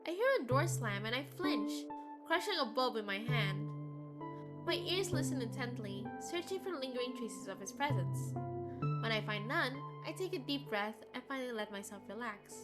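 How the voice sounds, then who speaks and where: A woman's voice: a little high, lively intonation, normal speed. A woman game streamer reading visual novel narration aloud and commenting casually. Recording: music behind the voice. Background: game music.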